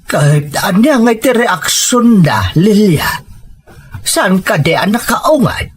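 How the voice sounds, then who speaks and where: A man playing an elderly, reassuring village father and grandfather in a radio drama, speaking in a measured, consoling manner. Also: high-pitched, sing-song, a little hiss or hum, heavily acted. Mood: concerned. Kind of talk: Filipino radio drama acting.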